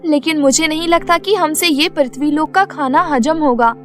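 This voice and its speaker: A woman's voice: high voice, normal speed, fairly bright tone, faint music behind. A woman playing an anxious, polite female fairy in a cartoon story. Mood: polite, worried.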